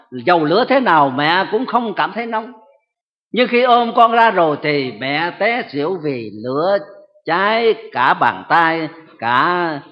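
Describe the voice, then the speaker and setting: A man voicing a grieving mother who tenderly explains her sacrifice to her child, in an echoey hall on a dull recording. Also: sits high.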